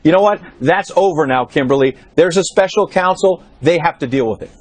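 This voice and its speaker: Guy reporting from the white house on a news panel, lots of uh's, measured, a bit high pitched. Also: darkish tone, no room sound. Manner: measured, explanatory, with frequent "uh" fillers. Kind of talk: live news panel analysis. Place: studio or remote link from Washington.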